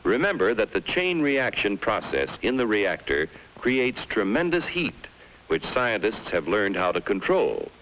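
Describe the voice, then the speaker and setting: An American man narrating a scripted 1950s educational film in an emphatic, dramatic manner with deliberate pauses. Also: lowish voice, big pitch swings, fairly bright tone, rough recording.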